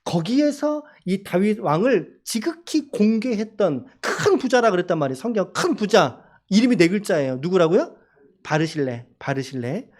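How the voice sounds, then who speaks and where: A man's voice: high voice, expressive, normal speed, a little mellow. A man preaching a sermon as a pastor in a church, asking the congregation questions and crying out quoted lines dramatically. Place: church sanctuary.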